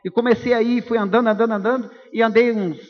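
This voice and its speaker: A man with a Brazilian Portuguese accent preaching a sermon, telling a personal story in an animated way and speaking straight to the congregation. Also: extremely high pitch, quick pace. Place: church hall. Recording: echoey hall, dull lo-fi sound.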